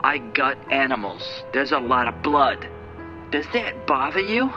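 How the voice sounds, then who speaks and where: A man's voice: medium pitch, very animated, measured pace, muffled recording. A man voicing a bullying, volatile delivery-truck boss with an American accent, bossy and curt, in an acted story. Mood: ominous. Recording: music behind the voice.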